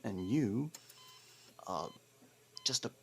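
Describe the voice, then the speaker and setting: A man acting a sarcastic, scolding criminal partner who hides his worry, in an ASMR roleplay with halting pauses. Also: on the low side, lively intonation, creaky, slight background noise, heavily acted. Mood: angry, defensive. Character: gruff, sarcastic criminal partner, secretly worried.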